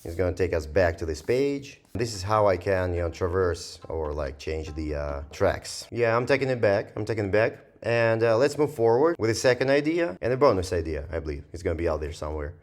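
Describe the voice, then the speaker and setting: A man giving a casual, rambling software review in an informal way, thinking aloud with lots of filler phrases. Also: low voice, expressive, fairly quick, few pauses. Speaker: tech reviewer.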